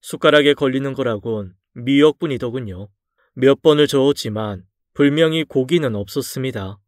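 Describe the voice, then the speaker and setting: A man narrating a dramatized true story in a calm, confessional first-person way. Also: mid-range voice, normal speed, no room sound, studio quality.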